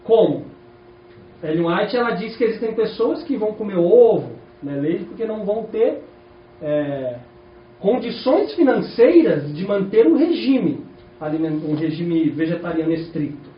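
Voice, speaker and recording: A Brazilian man preaches to his congregation, and his voice runs high and swings a lot in pitch. He keeps asking questions and answering them himself. The sound is muffled and roomy, picked up from a distance with faint ambience behind. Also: a little slow, a little hiss or hum. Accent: Brazilian Portuguese. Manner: animated, rhetorical questions to the congregation. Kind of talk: sermon. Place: church hall. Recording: echoey, distant, dull church recording.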